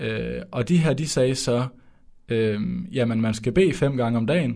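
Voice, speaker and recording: A man's dark, mellow voice at a medium pitch, with ordinary pitch variation and a fairly slow pace. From western Jutland, Denmark (Skjern). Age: 20s. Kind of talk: faith testimony interview.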